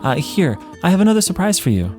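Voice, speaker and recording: A man voicing a gentle, doting motherly woman monster from a video game, with a hesitant, fussing, tender manner. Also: high-pitched, very animated, fast talker, soft background music, voice pushed up. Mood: cheerful, flustered. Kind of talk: video game character read-along.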